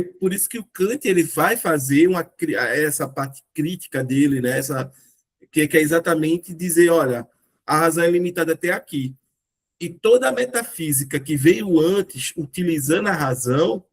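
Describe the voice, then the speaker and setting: A Brazilian man hosting a casual philosophy discussion, explaining ideas with rhetorical questions and frequent tag questions. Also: a little high. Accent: Brazilian Portuguese. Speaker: discussion group host.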